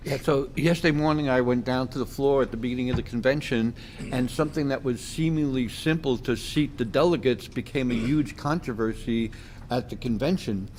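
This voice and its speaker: A man who is a guest at a hotel convention, recounting events in a measured way with small restarts. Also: mid-range voice, a little mellow, slight background noise.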